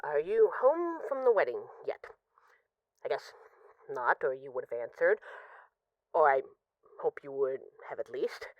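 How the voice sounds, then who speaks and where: A woman's voice: low-pitched, big pitch swings, dry recording, dull audio. A woman playing a possessive, lovesick mafia boss in an intimate, conversational audio roleplay of voicemails. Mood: hesitant, jealous. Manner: conversational, teasing, halting when emotional.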